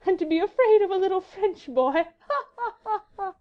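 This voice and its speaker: A witty noblewoman from a storybook, coquettish and sarcastic, her voice pitched up high and bright with mischief, read by a woman. She teases in an arch, old-fashioned way. The sound is slightly dull. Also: sing-song, a little fast. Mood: mocking.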